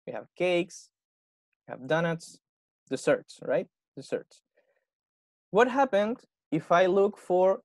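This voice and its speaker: This man speaks with a Chilean Spanish accent while teaching English, taking students through a recorded dialogue and asking short questions like "¿ya?" and "¿cierto?" after each point. He's patient, and his voice is high and slightly mellow. The sound is clean studio quality without echo.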